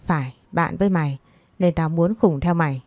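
A woman's voice: on the low side, moderate pace, darkish tone, dry recording, lightly acted. A woman voicing a mocking young man who scolds and teases his friend with wry jabs in a storybook.

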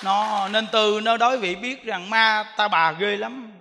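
A man, a Buddhist monk giving an animated sermon, repeating himself and speaking straight to his listeners. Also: high-pitched, a little slow, noisy background. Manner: animated, repetitive, addresses listeners directly. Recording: long reverb of a hall.

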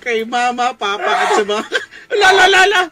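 A man's voice: extremely high pitch, very animated, normal speed, very noisy. A man with a Filipino accent working as a radio DJ, bantering and greeting listeners in a giggly, playful way. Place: small radio studio. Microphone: studio boom mic with headphones.

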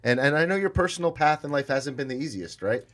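A man's voice: on the high side, animated, fast talker, a bit bright. A man hosting a podcast, upbeat and praising his guest in a studio with a desk mic. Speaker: podcast host. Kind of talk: casual interview chat. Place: podcast studio with gold wall.

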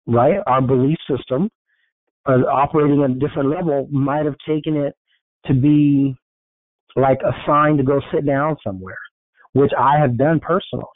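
A man talks loosely and informally on a group call, circling back with frequent fillers and restarts as he motivates his listeners. His voice sits at an ordinary middle pitch. The audio is thin and phone-like, with a dry, close sound. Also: no echo. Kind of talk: casual motivational talk. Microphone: conference call line.

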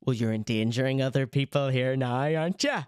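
A man's voice: mid-range voice, fairly quick, background noise. A middle-aged man giving mocking, amused video commentary in a sarcastic manner. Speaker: reaction video host. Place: small indoor streaming room. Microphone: studio microphone close to mouth.

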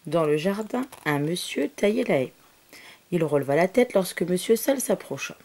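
A woman reading a children's story aloud, her voice rising and falling in lively, expressive sweeps. The tone is soft and mellow, sitting a little low, and she drops into soft whispered asides to the child. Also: normal speed, a little hiss or hum.

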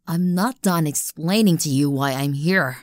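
A woman's voice: sits low, dry recording. A woman playing an obsessive, unstable young stalker girlfriend in an intimate ASMR roleplay, sweet and menacing by turns. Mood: angry, threatening. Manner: breathy whispers, halting, swinging from coaxing to outbursts. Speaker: voice actor in audio roleplay.

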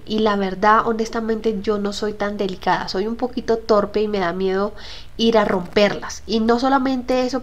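A young woman, talking viewers through her kitchen organizing in a casual, chatty voice-over full of asides and fillers. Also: medium pitch. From Colombia. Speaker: home vlogger.

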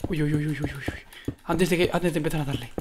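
A man with a Spain Spanish accent gives excited gameplay commentary, swinging from muttering to loud shouts. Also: fairly high pitch, fairly quick, background noise. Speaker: gaming video creator.

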